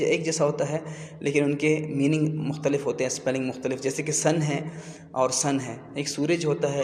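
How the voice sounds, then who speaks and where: A man's voice: mid-range voice, a little mellow. Man teaching in an echoey room. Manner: slow, explanatory, repeats terms. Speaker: English teacher. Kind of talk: classroom lesson explanation. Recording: echoey room with long reverb.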